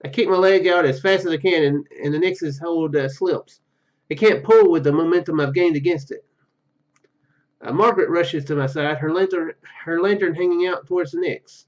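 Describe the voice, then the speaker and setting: A man's voice: fairly high pitch, normal speed, muffled recording. A man reading a visual novel aloud and commenting casually, often stumbling over his words. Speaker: gaming YouTuber.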